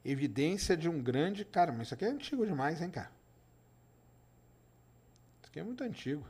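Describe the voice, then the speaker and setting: A man's voice: fairly high pitch, very animated, a little fast, a little mellow, slightly rough. A middle-aged Brazilian man with a Minas Gerais accent, hosting a science live stream and chatting casually with viewers. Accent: Minas Gerais Portuguese. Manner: chatty, informal, answers chat questions with tag "tá?". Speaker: science show host.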